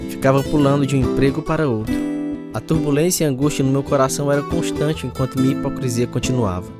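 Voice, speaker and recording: A male actor plays an earnest young student with an inner unease, telling his own story for a radio drama. His delivery is measured and confessional, at a middling pitch. Prominent guitar music runs beneath the voice. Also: fairly even intonation, close to an everyday voice. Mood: anguished, confessional. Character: earnest, inwardly troubled young male Bible college student. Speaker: narrator and lead actor. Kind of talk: dramatized first-person radio testimony. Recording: music under the voice.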